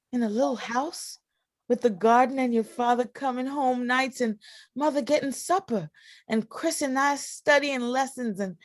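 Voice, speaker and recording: A woman playing a frail, timid, anxious and devoted young sister in a stage play reading. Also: fairly high pitch. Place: video call play reading.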